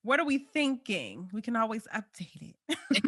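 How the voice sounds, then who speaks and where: A woman's voice: fairly high pitch, sing-song, a little slow, slightly rough. A woman hosting a podcast interview, encouraging and casual, with frequent short affirmations. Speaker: podcast host.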